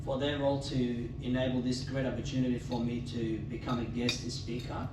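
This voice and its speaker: A man's voice: medium pitch, little pitch movement, far from the mic, noisy background. Man from Somalia speaking in an echoey hall. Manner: measured, formal delivery with some restarts. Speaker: guest speaker. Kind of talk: prepared speech at a club dinner. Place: club meeting room.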